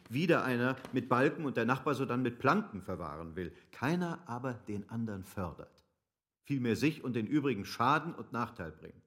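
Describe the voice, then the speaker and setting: An actor playing an eager, methodical gentleman planner in a literary radio drama, formal and explanatory in manner. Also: medium pitch, natural voice.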